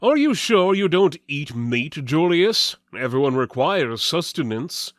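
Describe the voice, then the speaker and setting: A man acts out a gruff, hearty warrior from a fantasy storybook. He declaims with emphasis and very animated pitch, recorded dry and close. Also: measured pace, dry recording. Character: gruff, hearty one-legged axe-wielding warrior, fantasy adventurer.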